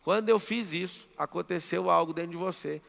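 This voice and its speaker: Brazilian guy giving a seminar talk, super gravelly high voice, lots of hall echo. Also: brisk, a bit bright. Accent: Brazilian Portuguese. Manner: emphatic, drills the audience with commands. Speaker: mentor. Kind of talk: live motivational seminar talk. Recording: long hall reverb.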